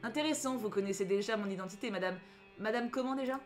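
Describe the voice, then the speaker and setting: A woman voicing a cool-headed male gang leader who speaks calmly and with cold politeness, as she reads a story aloud. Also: medium pitch, quick pace, faint music behind, lightly acted. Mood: coolly menacing.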